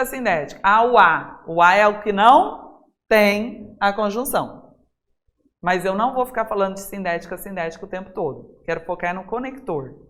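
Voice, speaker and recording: A Brazilian woman gives a recorded grammar lesson at a steady middle pitch. She keeps firing questions at her students and answers them herself. She slows down on key terms so they stick. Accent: Brazilian Portuguese. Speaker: Portuguese teacher for exam prep. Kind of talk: recorded class lecture.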